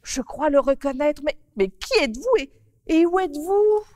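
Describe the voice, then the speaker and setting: A woman's voice: sits high, expressive, moderate pace, a little mellow, dry recording, clean studio sound, big-room sound, voice pushed up. A woman voicing a fretful young woman with a flower on her nose, who exclaims and stammers while speaking to the children in a children's TV story. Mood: fretful flustered.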